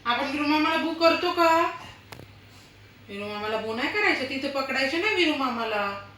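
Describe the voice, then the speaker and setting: A woman gently telling a small child how to treat the dog. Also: high-pitched, expressive, normal speed. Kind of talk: casual talk at home. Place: home indoors. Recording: echoey, distant, noisy phone audio.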